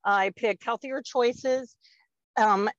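Speaking slowly in a slightly high voice, a woman in her fifties rambles casually as a podcast guest, using many fillers and laughing frequently. The recording is dry, dull, and lo-fi.

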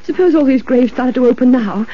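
A woman's voice: high-pitched, fairly quick, slight background noise, natural voice. A woman playing an anxious, inquisitive, wry companion to a crime-fighter in an old radio drama. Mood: nervous, questioning. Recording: muffled old radio recording.

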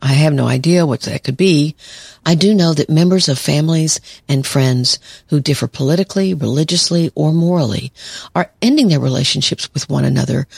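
A woman's voice: low-pitched, creaky, darkish tone, breathy edge, dry recording, studio quality. A middle-aged woman hosting an advice podcast, talking things through reflectively and telling stories. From southern United States. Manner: reflective, storytelling. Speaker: podcast host, therapist.

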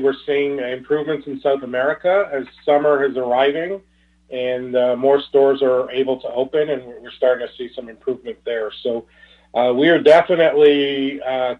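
A man speaking as a company executive on an earnings call, in a halting, hesitant way with repeated words. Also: medium pitch. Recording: tinny narrow phone-line conference call.

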